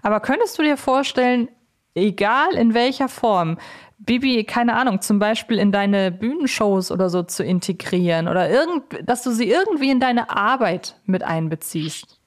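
A woman's voice: a little high, lively intonation, normal speed. A woman interviewing a guest in a casual, conversational style as a podcast host.

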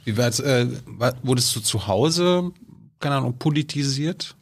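A man's voice: medium pitch, animated, measured pace, slightly rough. A man hosting a podcast interview, asking brief follow-up questions. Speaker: podcast host.

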